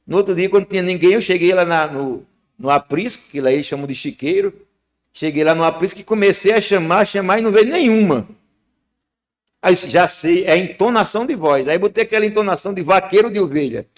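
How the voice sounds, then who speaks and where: A man preaching a sermon in church as a guest preacher, telling stories with sudden swings between loud, high moments and low, quiet ones. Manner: storytelling, with sharp rises and drops in pitch and loudness.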